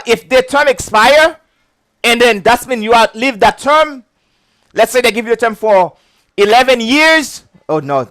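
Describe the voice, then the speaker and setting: A man's voice: very high-pitched, no echo. A man with a heavy accent teaching an insurance licensing lesson, repeating key points and chuckling often. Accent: non-native English. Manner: repetitive, chuckling, animated teaching. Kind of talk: casual video lesson.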